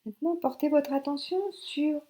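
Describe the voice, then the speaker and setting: A woman instructor leading a guided yoga relaxation in short instructional phrases with pauses. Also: high-pitched, fairly even intonation, mellow.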